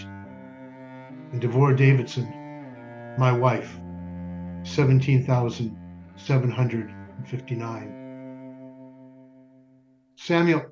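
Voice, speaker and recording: An actor playing a stern yet tender, grieving Jewish father in a wartime ghetto, speaking in solemn, deliberate stage monologue with weighty pauses. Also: medium pitch, lightly acted. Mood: tender, urgent. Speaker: stage actor in community theater. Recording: dull lo-fi recording, music underneath.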